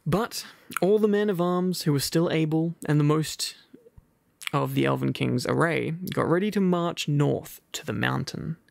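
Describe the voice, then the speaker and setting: A man with a British RP accent reading a storybook aloud and chatting as an ASMR boyfriend, drowsy, soft and playful, slipping into gentle whispers. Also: fairly high pitch, gravelly, dry recording. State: sleepy and overfull.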